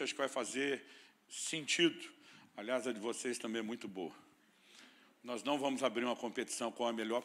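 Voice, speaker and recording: Bright-voiced Brazilian preacher telling stories. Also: male voice, on the high side. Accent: Brazilian Portuguese. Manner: storytelling preacher with playful humor. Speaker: pastor. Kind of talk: sermon.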